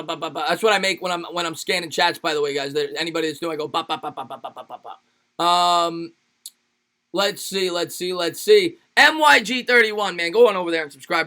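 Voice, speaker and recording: A man hosting a casual sports livestream, reading fan donations aloud in an energetic, hyped-up way, his voice a little raspy and tired. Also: on the high side. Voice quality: slightly raspy. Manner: energetic, hypes up fans. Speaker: sports YouTube host reading super chats.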